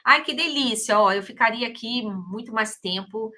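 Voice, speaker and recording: Exclaiming frequently, a middle-aged podcast host with a Brazilian Portuguese accent conducts an interview in a relaxed, gushing manner. She speaks at normal speed in a fairly high, sharp-toned voice.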